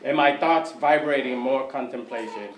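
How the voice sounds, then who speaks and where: A man performing spoken word poetry, measured and repetitive, guiding the audience. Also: mid-range voice. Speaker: poet performer. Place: community event hall. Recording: echoey room, mic from far off, faint noise.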